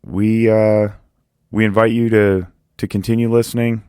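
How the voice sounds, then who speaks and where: A man's voice: lowish voice, level tone, normal speed, darkish tone, smooth, dry recording, studio quality. A man hosting a podcast interview, chatty and rambling, laughing easily as he talks. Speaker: podcast host. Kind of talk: casual interview chat.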